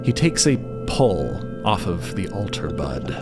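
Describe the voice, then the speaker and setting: A man's voice: deep voice, sing-song, slow pace. A man narrating a story podcast in a dramatic, playful, theatrical way with casual asides. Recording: loud music bed under voice. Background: loud music.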